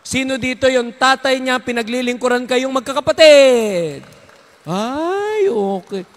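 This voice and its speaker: A man's voice: very high voice, fairly bright tone. A middle-aged man from the Visayas, a priest giving a playful parish recollection talk, leading prayers and getting the audience to clap. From Visayas, Philippines. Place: church or parish hall. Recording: long hall reverb.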